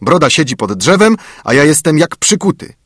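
A man voicing a grumpy, ungrateful little bearded dwarf with a thin, shrill voice who scolds and snaps. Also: big pitch swings, normal speed, a bit bright, breathy edge, no room sound, studio quality, full character voice. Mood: scolding. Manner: scolding, snapping, whining.

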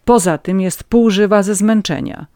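A reader voicing a calm dignified gentleman. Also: mid-range voice, moderate pace, no echo, clean studio sound, pitched above the performer's own voice, close to an everyday voice. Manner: calm, courteous. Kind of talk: audiobook reading.

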